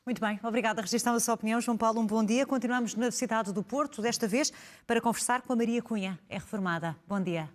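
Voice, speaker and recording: A woman presenting a live TV phone-in, brisk and polished as she introduces callers. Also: fairly high pitch.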